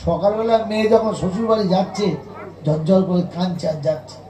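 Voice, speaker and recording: High-voiced, echoey male preacher. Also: fairly quick, dark tone. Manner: dramatic storytelling, acting out family dialogue; rhetorical questions to the audience. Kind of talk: Islamic sermon with storytelling.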